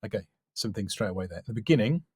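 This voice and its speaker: A man giving an off-the-cuff spoken critique as a coach, measured and considered. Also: fairly low pitch, lively intonation, very noisy. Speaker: voice-over coach.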